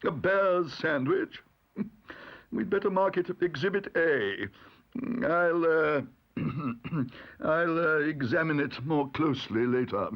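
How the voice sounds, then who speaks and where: A man voicing a pompous, easily flustered old male judge in a storybook reading, exclaiming in a drawn-out way. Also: a little high, voice pushed up. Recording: dull lo-fi audio recording.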